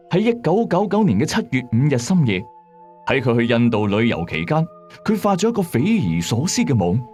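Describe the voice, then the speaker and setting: A man with a Hong Kong Cantonese accent hosting a late-night strange-tales show, narrating scripted mysteries in a measured, dramatic storyteller's way. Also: medium pitch, darkish tone. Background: background music.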